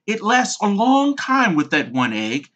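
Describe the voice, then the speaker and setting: Narrator voicing a high-pitched fretful mother duck. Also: huge pitch swings, measured pace, fairly bright tone, highs cut off. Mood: weary, fretful. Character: tired, fussy, proud mother duck.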